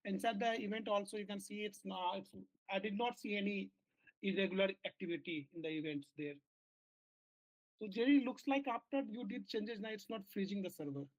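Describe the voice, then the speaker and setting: A man who is a software engineer, walking his team through a bug in a work meeting on a video call, with halting speech full of fillers and restarts. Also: high voice, dry recording. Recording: dull lo-fi call audio.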